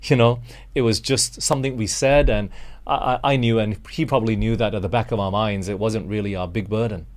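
A man's voice: fairly low pitch, steady tone, a little fast. A Malaysian man preaching a sermon, earnest and direct, calling his listeners friends and asking them rhetorical questions.

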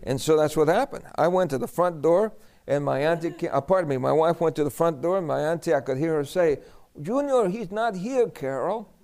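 A man from Puerto Rico preaching a sermon, telling a lively personal story and acting out the dialogue. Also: on the high side, fast, gravelly.

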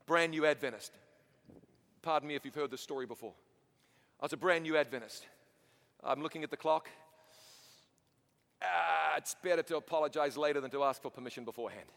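A man from New Zealand with a slight American tinge, preaching a story-driven sermon in an animated, chatty way with self-mocking asides. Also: on the high side, fairly quick, vocal fry, pauses often. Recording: long hall reverb.

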